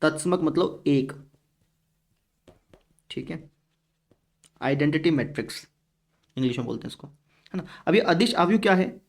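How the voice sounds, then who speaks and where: A man's voice: fairly high pitch, expressive, a little slow, pauses often. A man teaching a math lesson in a conversational classroom style, with a Hindi-speaking north Indian accent, often asking his students if they are following and answering in their voice. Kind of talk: classroom lecture.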